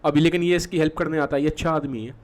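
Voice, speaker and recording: A man's voice: on the high side, steady tone. Man teaching a play, mixing Hindi and English. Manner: reads quoted lines slowly with fillers, frequent "theek hai". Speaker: literature teacher.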